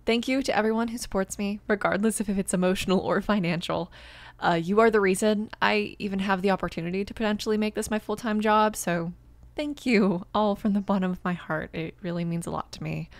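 Young woman with a creaky voice. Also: mid-range voice, fairly even intonation, a little fast, few pauses, no room sound. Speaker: ASMR audio creator. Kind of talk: casual channel update to listeners.

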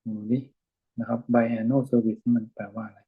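A man talks through a reading in an easy lecture style, stopping often to think aloud. His voice is husky and mid-pitched. The recording sounds dull and lo-fi. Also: level tone. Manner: thinks aloud, many fillers and pauses. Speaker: lecturer reading an article with students. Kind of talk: relaxed explanatory lesson.

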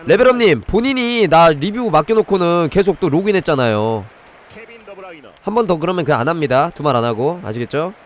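On a live stream, a man reviews a game and gives commentary, explaining each step and pausing to talk with his viewers. His voice is on the high side, brisk and lively in intonation.

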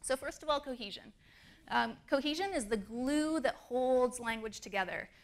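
A woman's voice: high-pitched, lively intonation, moderate pace. A woman speaker at a design conference, explaining her points with fillers and demonstrating intonation. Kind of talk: conference talk. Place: conference stage.

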